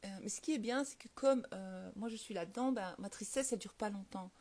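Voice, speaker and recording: A woman with a French accent hosts a casual live stream and answers viewers' comments. Her talk is lively, she laughs often, and she fills it with little hesitations. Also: mid-range voice, brisk. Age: adult with children. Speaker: host of a live stream on the law of attraction.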